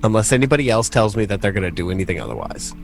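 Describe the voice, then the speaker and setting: A man's voice: fairly low pitch, big pitch swings, racing, creaky, faint music behind. A man working as game master, narrating a tabletop game and addressing his players.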